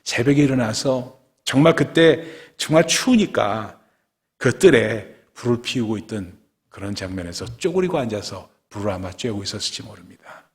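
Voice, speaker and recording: A man preaching a dawn prayer sermon as pastor, telling the story vividly and swinging between loud and hushed delivery. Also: medium pitch, expressive, moderate pace. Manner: storytelling, acts out quotes with sudden loud and soft swings. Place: church sanctuary. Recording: long church hall reverb.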